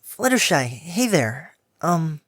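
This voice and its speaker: A man's voice: fairly high pitch, very animated, slow, fairly bright tone, no echo, clean studio sound, pitched above the performer's own voice, full character voice. A man reading an audiobook, voicing a brash, tomboyish young filly pony with a cocky, awkward manner.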